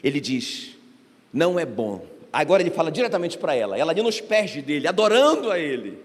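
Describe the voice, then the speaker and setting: A man's voice: fairly high pitch, very animated, quick pace. A man preaching a sermon as pastor, emphatic and often addressing the congregation directly. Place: church hall. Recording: reverberant church hall.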